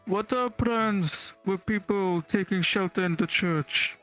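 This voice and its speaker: A man playing his roleplay character, speaking in a measured, formal and earnest way. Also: sits high, a bit bright, soft background music. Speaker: roleplay player.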